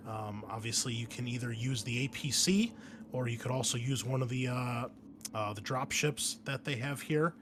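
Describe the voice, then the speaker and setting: Male game master, mid-pitched voice, informal and conversational delivery for a tabletop session, noticeably noisy recording. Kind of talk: casual chat and recapping a tabletop game.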